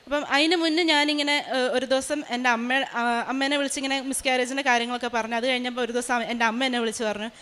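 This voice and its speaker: A maternity nurse gives an earnest personal testimony in a large church hall, her speech flowing quickly and full of hesitation sounds. She has a high voice with a fairly bright tone and a flat delivery.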